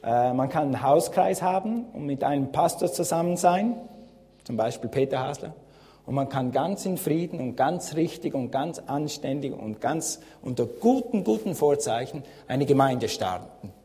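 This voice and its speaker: Swiss pastor preaching in a hall. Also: male voice, mid-range voice, expressive, moderate pace, dark tone. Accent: Swiss German speaking Standard German. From Switzerland. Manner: friendly, chatty, laughs often, rising emphasis. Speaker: guest pastor. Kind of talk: sermon. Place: church hall. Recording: long hall reverb.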